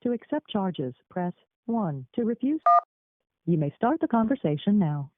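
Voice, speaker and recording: A woman's voice: mid-range voice, big pitch swings, normal speed, no echo. A woman's recorded voice giving formal, evenly paced prompts for a payphone collect call as an automated operator, heard over a phone line. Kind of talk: recorded prison-call announcement. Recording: tinny, dry phone line.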